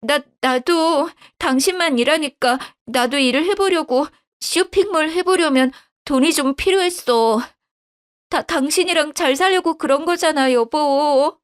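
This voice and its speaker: A woman's voice: high-pitched, measured pace, voice pushed up. A woman voicing a pleading young wife who whines and begs, in a storytelling radio drama. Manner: whiny, begging.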